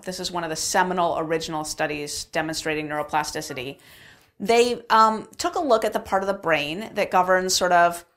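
A woman talking casually and explaining things as a vlog host, with emphatic conversational delivery, recorded in an echoey, bare unfinished room. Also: on the low side. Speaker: vlog host answering viewer questions. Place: unfinished basement room with cinder blocks and subflooring.

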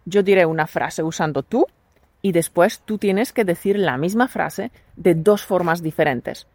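Slow, patient teacher woman. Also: fairly low pitch, darkish tone, no room sound. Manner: slow, clear, patient, leads drills. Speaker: Spanish teacher. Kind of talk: scripted language lesson.

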